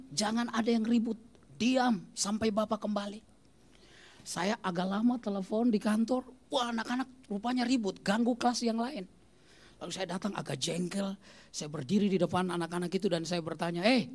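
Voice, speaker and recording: A man performing stand-up comedy, telling stories and acting out the people in them with big jumps in pitch. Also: darkish tone. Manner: acts out quoted voices with big pitch jumps.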